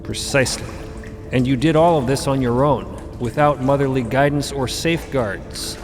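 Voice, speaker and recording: A man's voice: medium pitch, normal speed, lightly acted. An actor playing a wise, exasperated male cosmic mentor in a fantasy audio drama, pontificating with dry, impatient asides. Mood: serene, instructive. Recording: long cavernous reverb under loud music.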